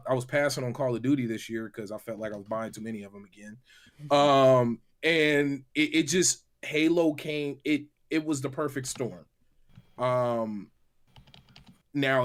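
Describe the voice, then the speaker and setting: A man's voice: medium pitch, moderate pace. A man talking casually and giving his opinions as a panelist on a gaming show.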